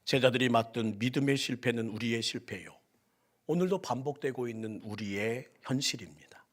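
A man preaching a sermon in church, dropping to soft whispers and rising to loud, shouted lines. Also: mid-range voice, moderate pace. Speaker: pastor. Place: church sanctuary.

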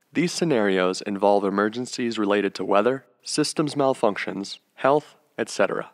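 A man's voice: lowish voice, dry recording, clean studio sound. A man who works as a flight instructor, narrating a slide lesson in a matter-of-fact way with offhand jokes. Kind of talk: scripted narration over slides.

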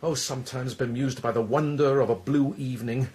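A man's voice: medium pitch, steady tone, a little fast, darkish tone, lightly acted. A man acting a proud, lovesick, self-mocking poet-swordsman in a radio verse drama, speaking with eloquent, theatrical lyricism. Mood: melancholy, self-mocking.

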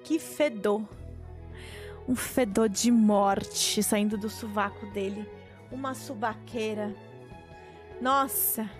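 Medium in pitch and slow, with long pauses, this young woman's voice has faint music behind it. She streams a life-sim game from a small indoor bedroom setup, chatting casually, telling stories and sometimes swearing, through a headset mic on her webcam stream.

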